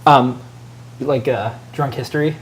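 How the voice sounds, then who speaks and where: A man's voice: mid-range voice, fairly even intonation, unhurried. Rambling male co-host, casual chat. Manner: rambling, with many fillers and side remarks. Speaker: show co-host.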